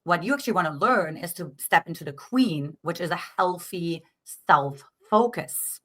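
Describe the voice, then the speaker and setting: A woman's voice: on the low side, lively intonation, unhurried, pushed and bright. A middle-aged woman with a German accent, a dating coach explaining her ideas earnestly in an interview and often checking in with "right?". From Eastern Germany.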